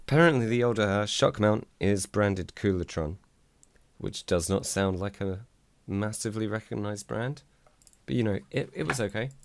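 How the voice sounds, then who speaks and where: Low-voiced bloke doing a mic review, dry jokes, dead dry room. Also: male voice, moderate pace, dry recording. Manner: dry, self-deprecating humour. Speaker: tech reviewer. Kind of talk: casual product review. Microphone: desk microphone on a mic arm.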